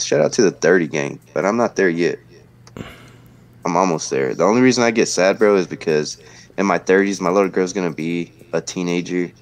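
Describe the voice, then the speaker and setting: A man in his twenties hosting a casual livestream from home, bantering in slang and reading chat messages aloud. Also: deep voice. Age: 20s. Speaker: livestream host. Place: indoor home room, webcam stream.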